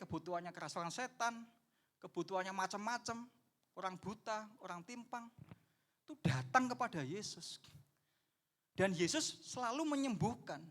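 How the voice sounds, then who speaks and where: High-voiced pastor preaching animatedly. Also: male voice. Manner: animated preaching, acts out the people in the story; addresses the congregation as "saudara". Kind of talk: sermon.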